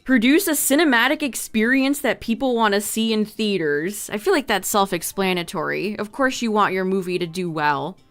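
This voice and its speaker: Young woman streamer, voice going hoarse. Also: medium pitch, moderate pace, few pauses, fairly bright tone, soft background music. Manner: chatty, reading out notes with asides. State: losing her voice. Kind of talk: casual livestream chat to viewers.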